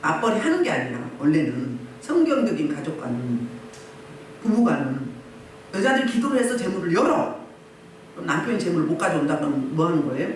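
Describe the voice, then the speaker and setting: Woman pastor, emphatic sermon delivery, lively swooping pitch, boomy church hall sound. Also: a little fast, a little hiss or hum. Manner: emphatic, fires rhetorical questions at the congregation. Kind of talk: sermon at a healing service. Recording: very echoey hall, mic at a distance.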